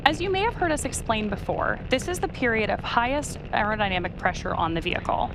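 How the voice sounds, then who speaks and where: A woman's voice: a little high, very animated, fast talker, over music, rough recording. A woman hosting a live launch webcast, explaining things step by step as commentary.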